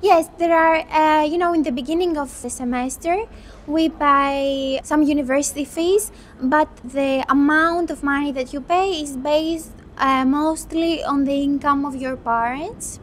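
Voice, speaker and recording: Young Greek woman, high voice. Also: a little hiss or hum. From Greece. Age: 20s. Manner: thoughtful, unhurried, with restarts. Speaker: medical student. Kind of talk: interview.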